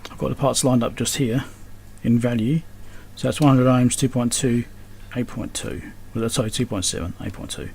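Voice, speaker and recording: An electronics repair video host mutters to himself as he works at an indoor bench, giving casual hands-on commentary. His medium-pitched, darkish voice keeps a fairly even intonation at a moderate pace with hardly any pauses, and the workbench recording is clearly noisy.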